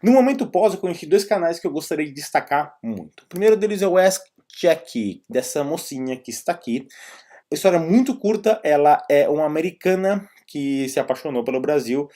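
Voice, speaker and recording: A man's voice: fairly high pitch, lively intonation, a little fast, mellow. A man with a Brazilian Portuguese accent talking casually as a vlogger, explaining and recommending things in a conversational, rambling way with asides.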